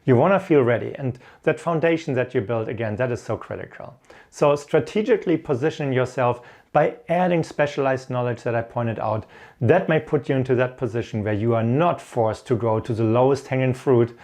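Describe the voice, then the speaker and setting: German-accented man with a creaky voice. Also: mid-range voice, fairly quick, darkish tone. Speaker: host of an IT career advice channel. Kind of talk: instructional talk with personal stories.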